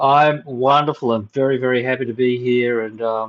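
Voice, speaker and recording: This is a man with an Australian accent. His voice falls at a medium pitch. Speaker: wargame designer. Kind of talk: interview.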